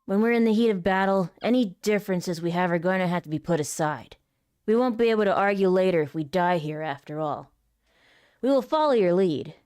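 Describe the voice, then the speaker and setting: A woman's voice: fairly low pitch, expressive, a little fast, darkish tone, smooth, no room sound, studio quality, lightly acted. A woman voicing a commanding, nonchalant female military commander, giving firm, authoritative game instructions in a voice acting demo.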